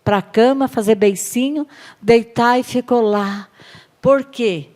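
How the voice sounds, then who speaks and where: Lively Brazilian woman preacher. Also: fairly high pitch, slow. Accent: Brazilian Portuguese. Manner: lively, acts out Bible stories, asks the room questions. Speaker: pastor. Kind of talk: sermon at a women's service.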